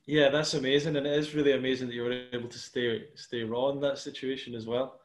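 A man's voice: medium pitch, flat delivery, quick pace. A man hosting a podcast interview on a video call, asking loose, easygoing questions. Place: small bare room indoors. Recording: echoey room on a call.

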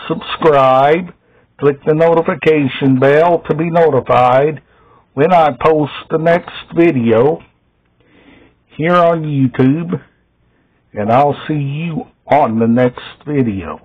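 Middle-aged male vlogger, casual show-and-tell, very drawn-out halting delivery, muffled low-fidelity recording. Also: husky. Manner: halting, short phrases with long gaps. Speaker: video host showing a music collection. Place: small indoor room at home.

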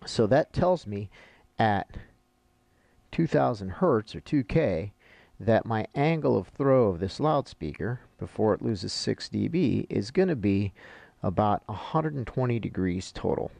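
A man's voice: fairly low pitch, lively intonation, a little slow, vocal fry, a little mellow, dry recording. A middle-aged man, an instructor explaining technical material informally and step by step, as if thinking aloud. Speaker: audio-visual instructor. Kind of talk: informal instructional explanation while annotating charts.

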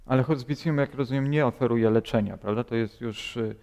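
A man's voice: medium pitch, fairly quick, a little mellow, in a large hall. A man hosting a studio interview, asking probing questions with hesitations. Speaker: host. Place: bright TV studio, seated in armchair.

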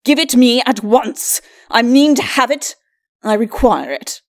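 A haughty skeleton lord from a storybook, acted out by a woman, bickering with mocking disdain. The pitch moves widely through archaic, aristocratic phrasing, and it sits on the high side for the reader. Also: very animated, a little slow. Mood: demanding. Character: bickering, sneering undead skeleton lord, a husband. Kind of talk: storybook character acting.

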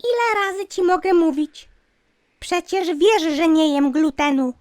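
Grumpy cartoon girl, played by a woman: extremely high, stubborn, scolding, close dry sound. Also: expressive, a little slow, darkish tone, no echo. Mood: exasperated, stubborn. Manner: snappy, exasperated.

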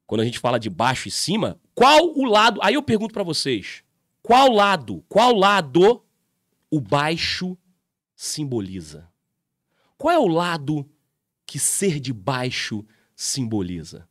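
A man giving a casual commentary monologue to his viewers, telling a story in an animated way and talking to them directly. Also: on the high side, unhurried, no echo, studio quality. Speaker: YouTube commentator.

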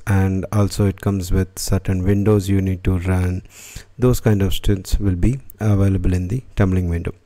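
A man hosting a screen-recorded software tutorial, talking it through unscripted with many fillers and restarts. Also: sits low. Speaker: tutorial host.

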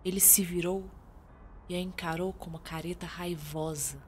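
A woman's voice: fairly low pitch, fairly even intonation, moderate pace, a little mellow, slight background noise. A Brazilian woman narrating a scripted radio drama as a theatrical storyteller. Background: music with guitar.

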